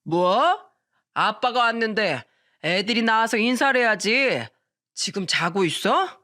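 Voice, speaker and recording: A woman reading a radio story, voicing a drunk, domineering middle-aged husband who yells at his family. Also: on the high side, expressive, measured pace. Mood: drunk, bossy. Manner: slurred, domineering yelling.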